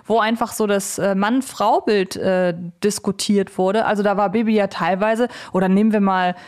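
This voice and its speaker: A woman's voice: mid-range voice, steady tone, moderate pace, a little mellow. A young woman hosting a conversational interview, chatty and explanatory as she frames her questions. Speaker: podcast host.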